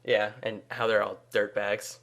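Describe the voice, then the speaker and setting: A teenage man co-hosting a casual podcast chat, telling animated stories and laughing along. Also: on the low side, unhurried, creaky. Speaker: podcast co-host.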